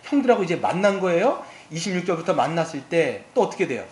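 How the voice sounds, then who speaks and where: A male pastor preaching a sermon in an animated, storytelling way, often asking the congregation questions. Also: sits high, fast. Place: church sanctuary. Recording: echoey hall with faint background hiss.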